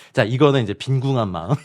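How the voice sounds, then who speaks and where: A male missionary delivers a sermon at a midweek prayer meeting in a voice of ordinary pitch for a man. He speaks directly to the people in the room and to those watching online, calling for their amens. His preaching is animated, and he often breaks into acted-out voices of other people. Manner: animated, acts out quoted people and laughs often while preaching.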